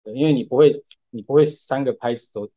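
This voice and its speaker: A man's voice: medium pitch, quick pace, warm tone, muffled recording. A man, patiently explaining music in a casual podcast chat and using lots of fillers. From Taiwan. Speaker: podcast co-host.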